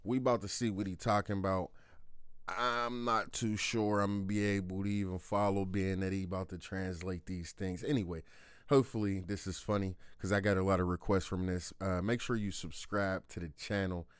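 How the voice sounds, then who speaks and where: Fast-talking man hosting a reaction video. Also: low voice, clear, resonant tone, no room sound. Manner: relaxed, talks quickly in casual slang. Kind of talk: casual reaction commentary.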